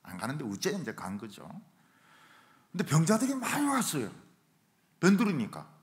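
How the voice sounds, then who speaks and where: A middle-aged man preaching a revival sermon in a church, telling stories and acting out shouted quotes. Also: on the high side, moderate pace. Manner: animated storytelling, acts out shouted quotes. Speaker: pastor. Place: church sanctuary.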